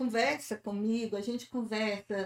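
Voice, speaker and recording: Speaking at a fairly slow pace, a woman uses a fairly high pitch in an unremarkable speaking voice. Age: 50s. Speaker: sexologist. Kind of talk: radio interview. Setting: radio studio.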